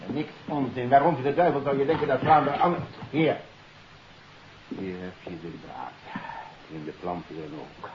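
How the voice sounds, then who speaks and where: An actor playing a cornered, menacing criminal doctor in a 1950s radio play, with a theatrical, exclamatory delivery. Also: male voice, medium pitch, lively intonation, moderate pace, pauses often, close to an everyday voice. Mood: agitated, angry. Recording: muffled, noisy 1959 radio recording.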